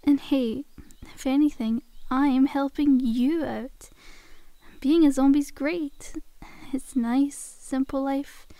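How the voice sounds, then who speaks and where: A woman's voice: high-pitched, fairly even intonation, takes it slowly, mellow, dry recording. A woman playing a friendly, sly zombie girl in an ASMR roleplay, coaxing a survivor in a chummy, casual, faux-innocent way. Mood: cajoling.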